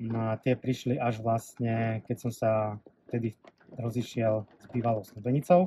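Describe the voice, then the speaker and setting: Somewhat breathy and dark, mellow in tone, a man speaks at medium pitch and a fairly slow pace with fairly even intonation. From eastern Slovakia. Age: 30s. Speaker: bodybuilder. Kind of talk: casual interview. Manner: hesitant, many fillers.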